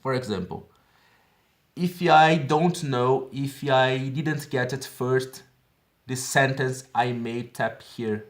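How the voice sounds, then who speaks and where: A man's voice: medium pitch, slow. Brazilian man in his thirties, chatty. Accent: Brazilian Portuguese. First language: Portuguese. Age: 30s. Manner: earnest, chatty, keeps checking in with "okay?". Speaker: language-learning vlogger. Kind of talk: casual app walkthrough.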